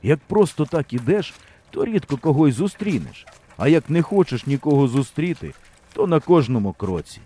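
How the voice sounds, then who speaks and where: Guy narrating an audiobook, warm darkish voice, tells it expressively. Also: on the high side, normal speed, slightly rough. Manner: lively storyteller's delivery.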